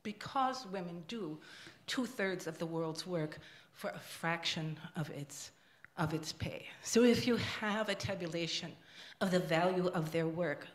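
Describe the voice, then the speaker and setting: Older woman speaking out, echoey hall. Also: fairly low pitch. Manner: emphatic, grows louder and forceful. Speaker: audience member at panel. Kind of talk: impassioned public comment. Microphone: handheld microphone passed in audience. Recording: echoey room.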